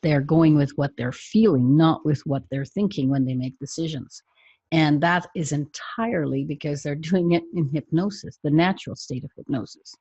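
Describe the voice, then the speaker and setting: A woman hypnotherapist appears as a guest on a casual podcast interview, telling stories about her clients in a matter-of-fact way. Her low, mellow voice is slightly rough and moves at a moderate pace. The recording is dry and lo-fi.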